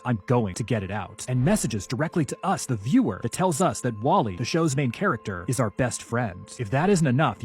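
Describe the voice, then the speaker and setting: A man reading scripted mystery narration with dramatic, ominous pauses. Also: medium pitch. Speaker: explainer video narrator.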